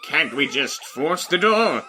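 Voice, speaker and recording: A man playing an excitable, blunt companion on a fantasy quest, speaking theatrically in an audio drama. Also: fairly high pitch, slow, a little hiss or hum, full character voice. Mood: skeptical. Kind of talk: scripted audio fiction acting.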